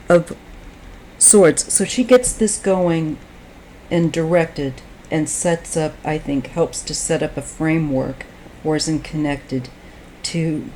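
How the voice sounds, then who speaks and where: A woman giving a tarot reading, speaking in a slow, halting, reflective way while she is losing her voice. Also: deep voice, dark tone, a little hiss or hum, rough recording. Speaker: tarot reader.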